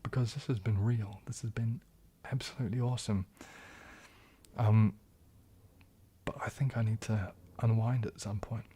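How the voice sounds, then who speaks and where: A young man hosting a casual livestream Q&A, soft-spoken and often slipping into a whisper. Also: on the low side, steady tone, moderate pace, a little hiss or hum. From New Zealand. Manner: soft-spoken, drifting into whispers, frequent restarts. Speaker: ASMR livestream host.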